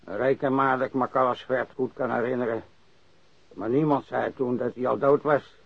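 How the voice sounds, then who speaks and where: Gravelly, bitter old dockside worker. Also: male voice, medium pitch, steady tone, moderate pace, no echo. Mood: bitter, blunt. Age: older. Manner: grumbling, rambling, cursing, repeats himself. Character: crusty old warehouse worker and ex-sailor, blunt, bitter. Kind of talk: radio drama acting. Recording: dry, dull lo-fi radio recording.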